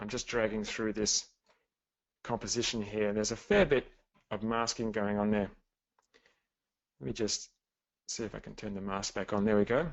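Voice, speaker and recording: Speaking with an Australian accent, a man uses a fairly low pitch and fairly even intonation at a moderate pace, with long, frequent pauses. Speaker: motion graphics artist. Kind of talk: tutorial. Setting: webinar.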